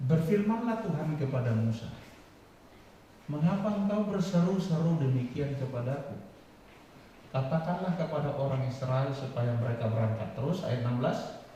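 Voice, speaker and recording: A man preaching a sermon, often rising to loud, high, emphatic lines and quizzing the congregation. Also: lively intonation, normal speed, dull audio, slight background noise. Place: large church hall. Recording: echoey hall from far off.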